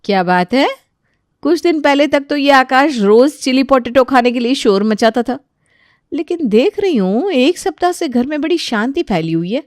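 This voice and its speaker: A woman's voice: sits high, lively intonation, normal speed, dry recording, studio quality, pitched above the performer's own voice. A woman voicing a clever young mother who coaxes her family in a sugary but firm way. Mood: suspicious. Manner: sugary coaxing with a stern edge. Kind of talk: storybook voice acting.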